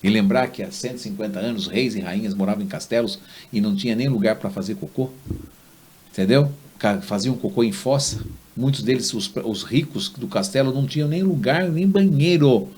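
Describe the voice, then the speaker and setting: A man hosting a podcast interview, telling stories in an animated way and letting his voice drop low at the ends of stories. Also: a little fast, slightly rough. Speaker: podcast host. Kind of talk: conversational interview.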